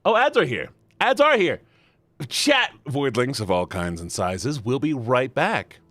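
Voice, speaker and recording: A man's voice: mid-range voice, sing-song, measured pace, fairly bright tone, no room sound. A man streaming as he reads a visual novel aloud, swinging between narration and chatty asides to his chat. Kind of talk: live stream reading and reacting.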